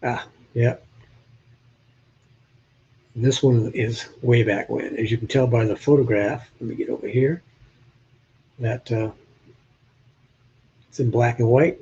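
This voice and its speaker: Older New Englander with a slight southern drawl, chatting. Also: male voice, mid-range voice, fairly even intonation, slow, pauses often, dark tone, slightly rough, muffled recording. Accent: Southern US with New England traces. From New Hampshire. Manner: chatty, joking, talks to viewers in chat. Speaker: live-stream host. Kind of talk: casual live-stream chat showing old photos.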